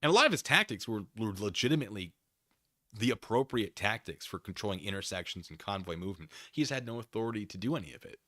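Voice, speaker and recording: Bright-voiced man chatting casually on a livestream. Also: fairly low pitch, very animated, quick pace, no echo, clean studio sound. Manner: self-deprecating, playful asides. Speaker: livestream host and commentator. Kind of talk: casual rambling livestream commentary, chatting with viewers.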